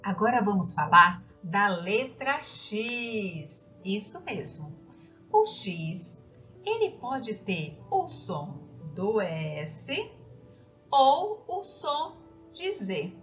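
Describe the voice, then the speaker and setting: Slow, lively woman teaching. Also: medium pitch. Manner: slow, clear, didactic, asks the listener questions. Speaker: primary school teacher. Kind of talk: recorded classroom lesson. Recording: dull lo-fi sound with faint background music.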